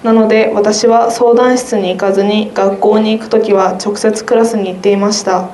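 A woman's voice: mid-range voice, steady tone, normal speed, dark tone. A teenage girl, a student guest, reading her own essay aloud in a careful, earnest way. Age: teens. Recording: roomy sound with faint noise.

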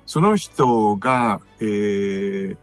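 A man, a composer and music producer appearing as a radio guest, recounting anecdotes in a relaxed, rambling way with many fillers and asides. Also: lowish voice, extremely slow.

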